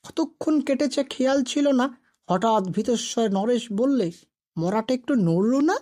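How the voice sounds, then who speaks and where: High-pitched woman narrating a ghost story. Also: animated, unhurried, dark tone.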